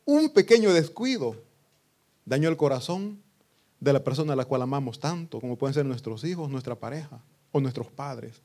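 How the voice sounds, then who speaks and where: A pastor preaching a sermon to his congregation, breaking into loud outbursts and acting out what people say. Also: medium pitch, expressive, moderate pace. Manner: preaching with sudden loud outbursts and acted quotes.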